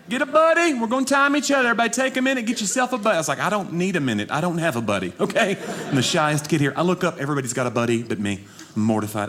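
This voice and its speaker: Noticeable background noise sits behind a man talking at a very fast pace. His high-pitched voice has very wide pitch swings. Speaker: comedian. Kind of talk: stand-up comedy, self-deprecating childhood storytelling. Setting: stage with audience. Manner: playful, conspiratorial crowd banter; punchy, rhythmic repetition for laughs.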